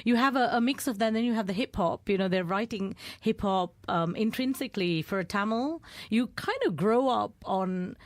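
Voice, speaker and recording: A woman's voice: medium pitch, normal speed, few pauses, no room sound. A woman radio presenter speaking as a guest in a studio interview, explaining fluently and with enthusiasm. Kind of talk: conversational interview.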